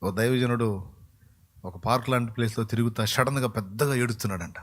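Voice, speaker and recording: A man's voice: medium pitch, brisk. A male pastor, preaching a sermon in a colloquial, emphatic way and acting out bits of dialogue.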